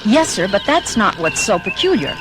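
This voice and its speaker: An actress playing a dutiful starship communications officer, polite and attentive, in a 1970s children's audio drama. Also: female voice, medium pitch, very animated, moderate pace, close to an everyday voice. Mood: dutiful, uneasy. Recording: 1970s record, loud music behind.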